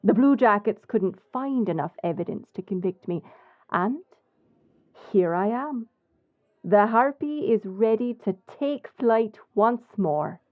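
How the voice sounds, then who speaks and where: A woman with an Irish accent playing a bold, sly smuggler captain in an audio drama, composed and cheeky in a measured way. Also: medium pitch, animated, dry recording, phone-quality sound. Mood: wry, defiant. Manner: measured, deliberate. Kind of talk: audio roleplay acting with story narration.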